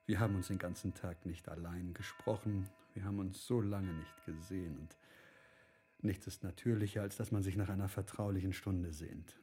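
An actor playing a worldly, self-assured count in a radio drama, charming and sensual, with urbane, formal old-fashioned phrasing. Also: male voice, deep voice, fairly even intonation, normal speed, dark tone, faint music behind, lightly acted. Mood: intimate, sly. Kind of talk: literary radio drama acting.

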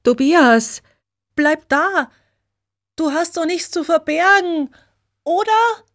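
A woman's voice: animated, measured pace, darkish tone, dry recording, studio quality. A woman voicing a distraught young woman who pleads. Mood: desperate. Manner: pleading, rises high when upset.

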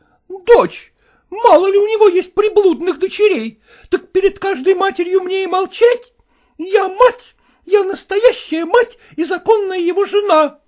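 A man's voice: very high voice, lively intonation, unhurried, darkish tone, voice pushed up. A man reading aloud voices a jealous middle-aged wife who shrieks and mocks with sarcastic laughter. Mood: scornful, shrill. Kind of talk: audiobook reading of a classic novel.

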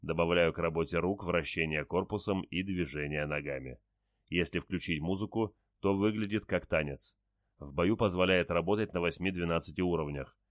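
A man reading a first-person story aloud in a calm, terse manner with short clipped sentences. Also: sits low, moderate pace, no echo, clean studio sound. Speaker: audiobook narrator.

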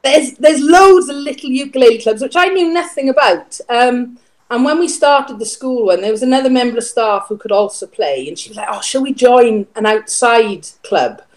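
A Welsh woman with a fairly high voice talks about her teaching in a casual interview. She rambles a little, with plenty of ums and restarts. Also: animated, moderate pace, low-quality recording. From Wales. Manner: chatty, with frequent fillers and restarts. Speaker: school music teacher.

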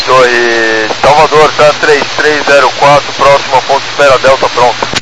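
A man's voice: medium pitch, steady tone, normal speed. A Brazilian man, an airline pilot, making clipped procedural callouts and readbacks over aircraft radio. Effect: radio transmission. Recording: very noisy cockpit radio.

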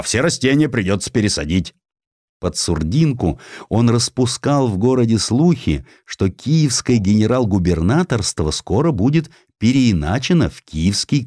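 Male narrator for historical prose: lowish voice, very varied delivery, wry and theatrical, close dry studio sound. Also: a little mellow, no room sound. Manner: wry, theatrical storytelling with acted quotes. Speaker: audiobook narrator. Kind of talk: expressive dramatized narration of historical sketches.

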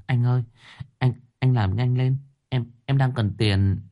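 A man's voice: mid-range voice, steady tone, unhurried, mellow, natural voice. A man voicing a tearful young woman who pleads with stammering, sobbing words. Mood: pleading.

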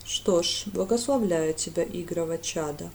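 A woman voicing a gloomy, reserved male priest who speaks coldly and evenly in a lowered voice. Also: a little hiss or hum, close to an everyday voice. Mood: weary. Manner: cold, measured, low-voiced.

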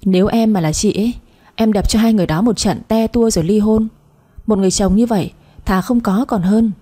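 A woman reading a blunt, sharp-tongued young woman. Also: medium pitch, fairly quick, natural voice. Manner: outspoken, mocking.

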